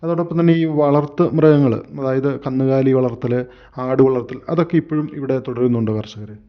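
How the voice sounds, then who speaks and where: A man's voice: medium pitch, steady tone, normal speed. Formal male radio interviewer. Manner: formal questions, frequent short murmured assents. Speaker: radio interviewer, farm program host. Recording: dull lo-fi radio sound.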